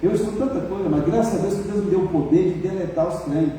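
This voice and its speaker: High-voiced pastor preaching in a booming hall. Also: male voice, quick pace. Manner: colloquial, animated, asks the congregation for responses. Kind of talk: sermon with storytelling. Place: church. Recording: echoey church hall, mic far off, faint noise.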